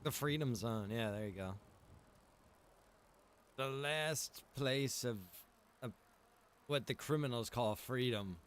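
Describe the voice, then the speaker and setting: A man's voice: mid-range voice, slow, pauses often. A laid-back man chatting to viewers in rambling, slangy game livestream commentary. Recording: clearly noisy, background ambience.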